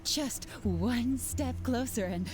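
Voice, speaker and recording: A woman's voice: on the high side, slow, darkish tone, slight background noise. An actress voicing a cornered, theatrical young woman villain in a video game, bitter and cackling. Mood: scornful.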